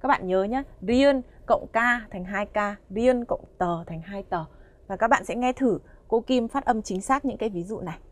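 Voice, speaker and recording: A woman's voice: medium pitch, moderate pace. A woman narrating a language course, addressing learners directly and explaining the lesson in a friendly, explanatory way.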